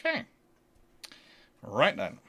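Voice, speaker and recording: A man's voice: takes it slowly, sharp tone. A man hosting a casual question-and-answer stream, talking in an emphatic, argumentative, conversational way. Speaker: host answering viewer questions.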